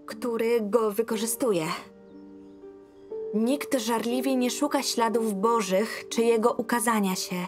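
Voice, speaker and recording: A young woman in a dubbed film, reading a religious passage aloud slowly and carefully. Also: on the high side, fairly even intonation, over music.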